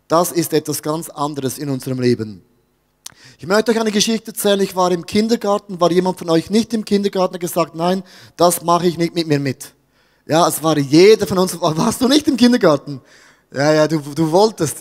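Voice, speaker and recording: A man's voice: sits high, in a large hall. A man with a Swiss German accent preaching a sermon, telling a story with jokes and asides to his audience. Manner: storytelling, jokey, talks to the audience. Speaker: pastor.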